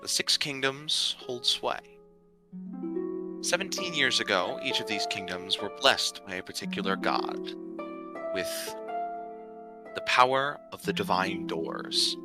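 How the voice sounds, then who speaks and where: A man from the United States serving as dungeon master, narrating a tabletop game livestream in a halting way with many fillers and restarts. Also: fairly low pitch, expressive, loud music behind the voice. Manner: halting, full of ums and uhs and restarts.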